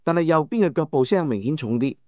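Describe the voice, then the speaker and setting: A man narrating a first-person audiobook novel in a measured storytelling manner, over soft background music. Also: on the high side, expressive, dry recording, dull audio. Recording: dry studio with soft music.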